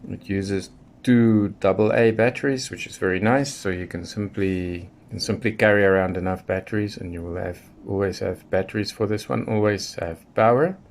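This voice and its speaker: Male, deep voice, hobbyist reviewer talking casually and matter-of-factly, clear background noise on the recording. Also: normal speed. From South Africa. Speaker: radio hobbyist presenter. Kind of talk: casual unboxing review, unscripted.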